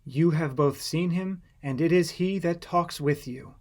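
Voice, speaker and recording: Male narrator as a solemn, calm teacher, measured delivery, fairly high male voice, scripture audiobook. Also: close to an everyday voice.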